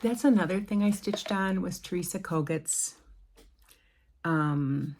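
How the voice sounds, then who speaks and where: Speaking slowly in a fairly low, somewhat mellow voice, a middle-aged woman rambles through a casual show-and-tell of her cross-stitch patterns at home. She fills her talk with ums and keeps restarting her sentences.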